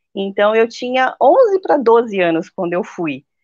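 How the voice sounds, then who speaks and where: A woman talks at a fairly high pitch and a fairly slow pace, with very wide pitch swings. The sound is dry and close, with no echo. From Brazil, 15 years in Japan from age 11. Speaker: amigurumi artisan. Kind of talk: interview.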